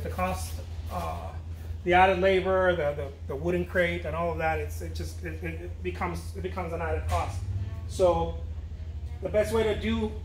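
High-voiced man rambling in an echoey studio. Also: background noise. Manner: rambling, repeats and restarts phrases. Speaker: painter. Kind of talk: casual talk to camera while painting. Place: large studio with an open big door. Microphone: camera at a distance. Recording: roomy studio echo, faint ambience.

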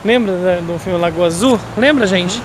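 A man's voice: sits high, moderate pace. A man chatting casually to his viewers while filming a walk on a city street with a handheld phone. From Brazil. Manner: chatty, keeps addressing viewers as "gente". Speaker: vlogger. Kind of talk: casual walking vlog. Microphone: handheld phone camera while walking. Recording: noisy outdoor phone recording. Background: street traffic and outdoor ambience.

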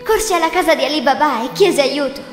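A woman's voice: high voice, fairly quick. A woman reading a scripted fairy tale as the narrator. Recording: echoey hall reverb, music behind. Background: music.

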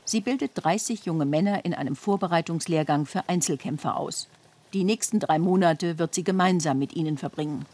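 A woman's voice: fairly low pitch, fairly quick, darkish tone. A woman reading scripted narration for a television documentary report.

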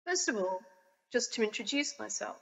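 A woman from the UK with a croaky voice from a cold, giving a formal pre-recorded conference presentation. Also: fairly high pitch, very animated, fairly bright tone, long reverb tail. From United Kingdom. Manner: formal and measured. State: croaky, getting over a cold. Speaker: guest speaker. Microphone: webcam video recording.

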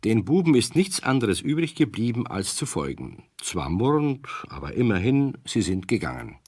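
A man's voice: on the low side, big pitch swings, normal speed, darkish tone, breathy edge, dry recording. A man acting as the storyteller of a children's radio play, narrating a scripted tale. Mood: storytelling.

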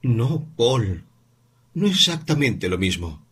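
In this storybook, a weary mother answers her child slowly, her words heavy with bitterness, as a man puts her on. The voice sits a little above a man's usual pitch and carries a breathy, husky edge. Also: big pitch swings, fairly bright tone, exaggerated voice. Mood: bitter. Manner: slow, bitter, measured replies. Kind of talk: audiobook character reading.

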